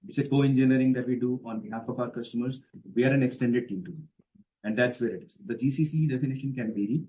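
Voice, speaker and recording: A man's voice: medium pitch, quick pace. A man with an Indian accent speaking as a company executive, giving emphatic, assertive explanations to analysts. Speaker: company executive on an earnings call. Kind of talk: spontaneous explanatory answers to analysts. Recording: dull, band-limited conference call audio.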